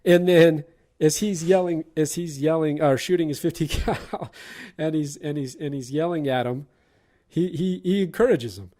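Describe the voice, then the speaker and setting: A man's voice: a little high, moderate pace, mellow. A man hosting a casual movie podcast, retelling scenes and chuckling along. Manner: laughs while retelling scenes. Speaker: podcast host.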